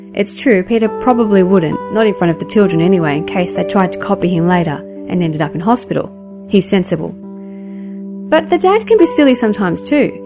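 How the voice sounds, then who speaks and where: A woman tells a scripted parenting piece for radio, wry and story-like. Her pitch sits in the middle of the female range, and plucked guitar music plays clearly under her voice. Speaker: parenting segment presenter. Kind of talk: scripted radio segment narration.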